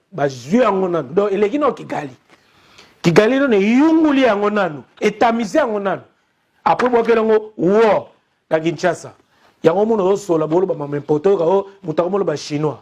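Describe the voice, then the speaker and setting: A young man with a Congolese accent delivers a fervent commentary straight to his viewers. His voice sits notably high for a man, and he drives his case with insistent, repeated calls to action. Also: darkish tone. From Democratic Republic of the Congo. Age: young adult. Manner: urgent, repetitive, rallying appeals to listeners. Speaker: online TV commentator. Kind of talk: impassioned commentary to camera.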